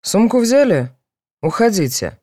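A woman voicing a tired male court guard who speaks in curt, flat orders. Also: medium pitch, unhurried, no room sound, clean studio sound, pitched above the performer's own voice.

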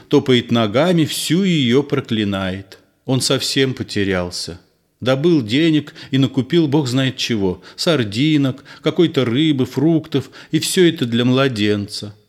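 A man voicing a young woman in a read-aloud play, speaking high and eager. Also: natural voice. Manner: high, bright, pleading.

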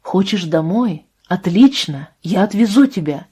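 A woman reading an audiobook, voicing a calm, patient young man who speaks low, restrained and soft. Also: unhurried, breathy edge.

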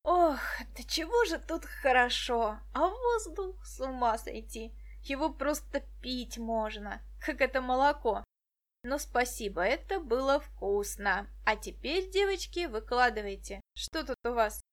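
A cheerful, friendly grown man who talks in a hearty, jovial way, as a woman reader puts him on. He speaks in a high, light register, a grown man read by a woman in an audiobook. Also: lively intonation, a little slow. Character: middle-aged male journalist, cheerful and friendly.

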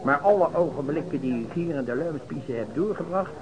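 An actor playing a gossipy, grumbling itinerant chair-caner in a radio play, slangy and familiar, with a Netherlands Dutch accent. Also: male voice, a little high, expressive, brisk, noisy background, close to an everyday voice. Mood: gossipy, warning. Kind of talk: radio drama dialogue. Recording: busy crowd chatter behind.

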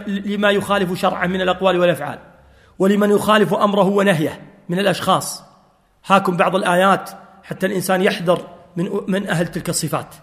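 High-pitched guy preaching a sermon, fervent, big echoey hall with long reverb. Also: a bit bright. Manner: fervent, quotes scripture and stories.

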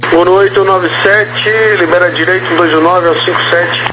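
A man's voice: high voice, steady tone, brisk, bright, forceful tone. A man working as an air traffic controller, giving clipped procedural instructions over a walkie-talkie style two-way radio. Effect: two-way radio transmission. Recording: noisy two-way radio with hum.

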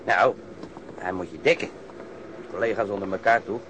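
A man's voice: low voice, normal speed, background noise, lightly acted. A man acting a brash, crooked policeman in a radio drama, blunt and conspiratorial. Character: brash, crooked male policeman, eager to bend rules.

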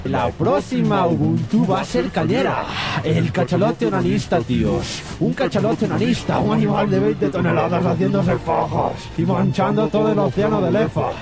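Brief: man voicing a foul-mouthed metalhead fan, high pitched, loud rock music behind. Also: lively intonation, moderate pace. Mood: excited. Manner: vulgar, boisterous ranting. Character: crude excitable male metalhead fan.

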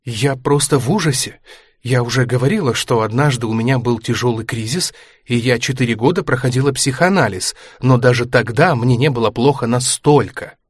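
A man reading a book aloud, voicing an aging former ballerina who is anxious, proud and sharp-tongued, in a higher, tense voice. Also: a little fast, slightly rough, no room sound, studio quality, lightly acted. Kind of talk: audiobook character reading.

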